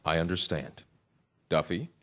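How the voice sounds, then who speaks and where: A man's voice: low-pitched, a little slow, sharp tone. A man playing a fussy, determined amateur burglar in a staged comedy reading, dry and slightly hesitant. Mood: dry, businesslike. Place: live staged reading in a church.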